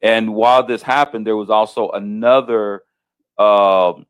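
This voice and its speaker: A man's voice: fairly low pitch, steady tone, measured pace, smooth. A middle-aged man conducting an interview, asking long leading questions with frequent restarts and checks like "right?". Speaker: interviewer, host.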